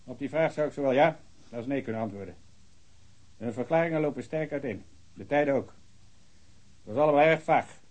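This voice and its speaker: An actor playing a long-winded, pedantic police officer in a radio drama. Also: male voice, medium pitch, fairly quick, long pauses, darkish tone, close to an everyday voice. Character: fussy male police officer reading a report.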